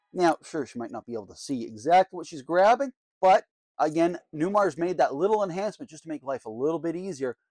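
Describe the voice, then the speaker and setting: A man at a fairly quick pace, dry echo-free sound, faint music in the background. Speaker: RV dealer salesperson. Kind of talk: walkthrough tour commentary. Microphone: camera far.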